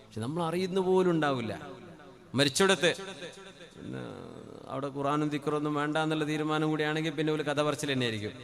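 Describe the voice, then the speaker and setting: A man delivering a sermon through a microphone, his voice sitting a little high. He moves between quiet conversational asides and loud, drawn-out chanted passages. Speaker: Islamic preacher.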